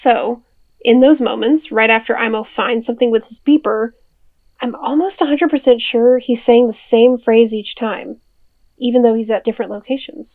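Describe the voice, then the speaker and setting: A woman's voice: fairly high pitch, fairly even intonation, normal speed, dry recording. A woman playing a playful, curious friend in an audio drama, talking casually over a phone call. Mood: keen, helpful. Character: amused, curious female friend helping a man investigate. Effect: phone call filter. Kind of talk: naturalistic audio drama dialogue. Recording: tinny, band-limited phone line.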